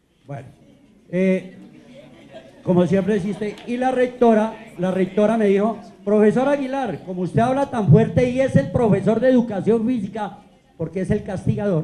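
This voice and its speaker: A man speaks at a high pitch with ordinary pitch variation and a moderate pace. Long, frequent pauses break up his speech. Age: 60s. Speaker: educator. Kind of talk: panel discussion.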